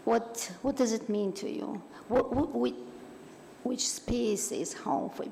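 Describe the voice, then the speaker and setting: Woman, panel moderator, polite, very gravelly, reverberant hall. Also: medium pitch, darkish tone. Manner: polite, slightly halting questions. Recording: hall reverb, faint noise.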